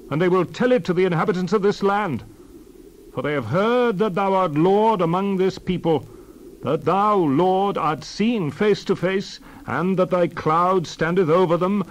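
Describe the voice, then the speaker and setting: A man's voice: high-pitched, a little hiss or hum, close to an everyday voice, rough recording. A man playing an earnest prophet-leader in a dramatized scripture reading, emphatic and oratorical. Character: Moses, earnest male leader pleading and exhorting.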